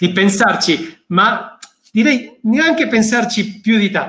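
Intonation is lively from this man. He talks at a fairly slow pace. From Argentina. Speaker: charity director. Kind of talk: interview.

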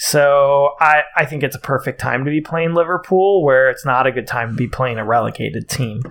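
A plain, everyday voice from a man, fairly high in pitch, fairly quick and with hardly any pauses. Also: ordinary pitch variation. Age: 30s. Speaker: fantasy football podcast co-host. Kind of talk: casual chat.

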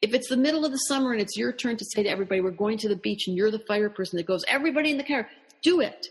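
A woman talks very fast in a fairly high, somewhat breathy voice. Her intonation is lively. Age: 60s. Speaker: astrologer and psychotherapist. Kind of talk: interview.

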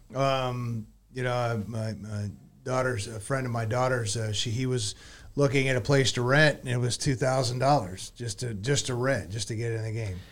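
Speaking with an American accent, a man has an unremarkable speaking voice. His pace is moderate and his intonation fairly even. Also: medium pitch for a man. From rural Oregon. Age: 50s. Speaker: home inspector. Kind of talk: casual interview chat. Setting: studio.

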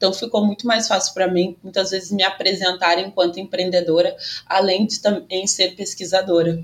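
Over noticeable background noise, a woman speaks at a medium pitch and moderate pace, monotone and flat, with very even loudness. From Rio Grande do Sul, Brazil (Rio Grande, raised in Porto Alegre). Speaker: financial consultant. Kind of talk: interview. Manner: halting.

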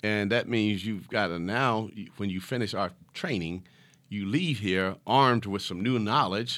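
This is a man with an unremarkable speaking voice, pitched fairly low with ordinary pitch variation. He talks at a fairly quick pace on a very clean recording with a silent background. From Pennsylvania (Harrisburg area), born in North Carolina. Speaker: leadership speaker and author. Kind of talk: interview.

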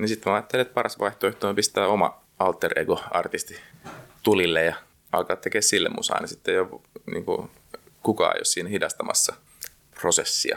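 A man talks at a fairly quick pace yet breaks his speech with long, frequent pauses. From Helsinki, Finland. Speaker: musician. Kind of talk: casual interview. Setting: studio building cafe.

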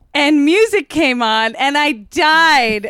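A raised, projected voice with an American accent and ordinary pitch variation comes through a very clean recording with a silent background. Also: woman. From central New York. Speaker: comedian. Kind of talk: reading aloud. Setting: at home.

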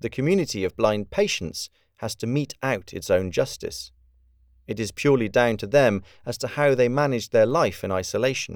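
A man has a plain, everyday voice at a medium pitch, with lively intonation. He talks at a moderate pace in a very clean recording with a silent background. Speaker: podcast host. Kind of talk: scripted narration. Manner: formal.

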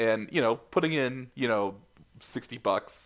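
A man has an unremarkable speaking voice at a medium pitch. He talks at a moderate pace with lively intonation. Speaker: moderator. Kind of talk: casual debate.

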